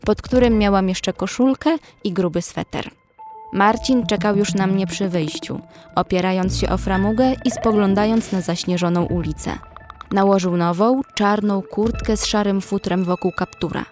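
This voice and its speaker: A woman's voice: medium pitch, darkish tone, lightly acted. A woman playing a young female survivor who narrates a horror audio drama in the first person. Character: young female survivor recounting a frozen zombie outbreak. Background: faint music.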